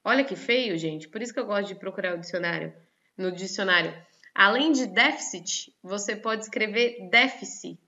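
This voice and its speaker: Bright-voiced Brazilian woman teaching online. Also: mid-range voice, normal speed, highs cut off. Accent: Brazilian Portuguese. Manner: lively, questions the students often. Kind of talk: online class explanation.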